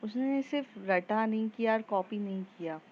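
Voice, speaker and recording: A woman's voice: medium pitch, normal speed, muffled recording, a little hiss or hum, close to an everyday voice. A woman voicing an earnest, reflective teenage schoolgirl who is top of her class.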